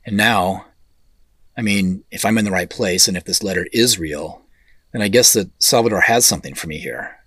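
A man's voice: low voice, normal speed, a bit bright, breathy edge, dry recording, studio quality. A man playing a wry, thoughtful tech executive in an audio drama, speaking in an understated, conversational way. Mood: pensive. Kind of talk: naturalistic audio drama dialogue.

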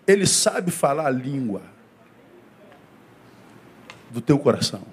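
A man's voice: medium pitch, big pitch swings, a little fast, slightly rough. A man from Brazil, a pastor preaching a sermon in a humorous, slangy, conversational way, mimicking pompous prayers.

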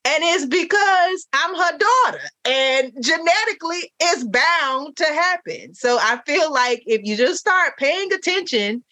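A woman's voice: high-pitched, animated, unhurried, hardly any pauses, bright, forceful tone, dry recording. A woman in casual faith-based conversation, reflective and full of "you know" and "like", with an African American accent.

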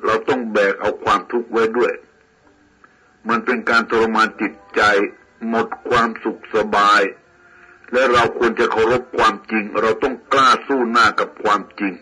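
A man reading a moral tale in first person, in a measured, moralizing storytelling manner. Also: on the low side, steady tone, pushed and bright, low-quality recording. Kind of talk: scripted storybook narration.

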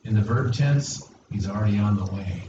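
A man's voice: on the low side, normal speed, dark tone, a little hiss or hum. A male pastor preaching a sermon in a church, engaging and questioning his congregation and calling for responses. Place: church sanctuary. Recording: very echoey hall, distant dull mic.

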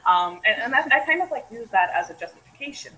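A woman's voice: a little high, lively intonation, fast talker, pushed and bright, low-quality recording. A young American woman telling her personal story in a casual, rambling and reflective way. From United States. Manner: rambling, reflective, many "you know" fillers.

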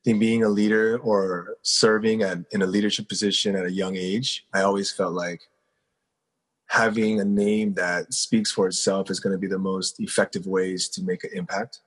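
A man's voice: fairly low pitch, little pitch movement, normal speed, fairly bright tone, breathy edge. A man in his twenties, a pastor and guest from South Korea, telling his story in an earnest, conversational way with plenty of fillers. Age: 20s. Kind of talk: casual interview storytelling.

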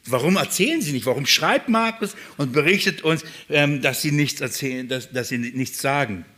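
Lively, bright-voiced male preacher. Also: moderate pace. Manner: lively, asks the congregation rhetorical questions; acts out quoted speech with sudden high exclamations. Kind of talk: sermon.

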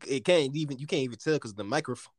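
A man's voice: medium pitch, quick pace, dry recording, studio quality. A man co-hosting a casual podcast, telling stories animatedly and recording on his phone. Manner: animated storyteller, breaks into mocking impressions. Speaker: podcast co-host. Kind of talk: casual chat. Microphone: phone microphone.

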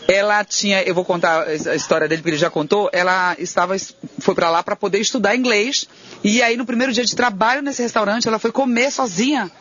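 A man hosts a radio interview and keeps prompting his guest, often finishing his sentences for him. His voice is high and bright, and he talks fast. The recording is dull and lo-fi. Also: dry recording. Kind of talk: casual interview.

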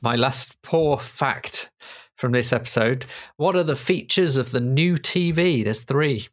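A man's voice: medium pitch, unhurried. A man co-hosting a podcast, chatting casually and asking quiz questions with dry, wry jokes. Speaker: podcast co-host.

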